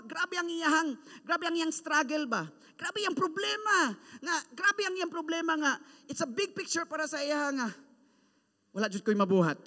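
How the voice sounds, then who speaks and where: A male pastor from the Philippines preaching a sermon in a church, animated and acting out the story. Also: very high-pitched. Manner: animated, acts out the story, code-switches. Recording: long church hall reverb.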